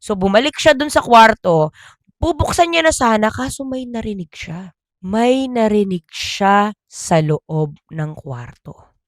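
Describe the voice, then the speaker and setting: A woman vlogger telling a gossip story in a casual, animated way, speaking directly to her listeners. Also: mid-range voice, a little slow, dry recording, clean studio sound.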